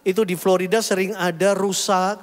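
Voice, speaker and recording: A man's voice: high voice, normal speed. A middle-aged male pastor, telling stories animatedly in a sermon. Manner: animated storytelling, often calling the congregation "saudara". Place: church hall. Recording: long hall reverb.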